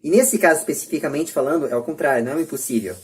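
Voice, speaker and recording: A Brazilian man hosting a podcast debate, speaking earnestly and emphatically with halting, repeated phrases. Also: on the high side. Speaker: podcast host.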